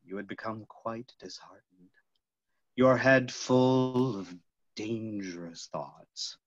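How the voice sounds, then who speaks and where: A man playing a tormented, obsessive phantom in a staged reading, halting and dramatic, moving between hushed and loud. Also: on the low side, no echo. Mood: menacing, tender. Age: middle-aged. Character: tormented, obsessive masked phantom, possessive male lover. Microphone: computer mic on video call. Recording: muffled video call audio.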